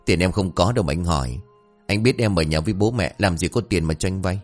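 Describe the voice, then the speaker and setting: A man voicing a gentle young village woman who scolds her wayward older brother in an exasperated, quick manner. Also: low voice, faint music behind. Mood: exasperated scolding.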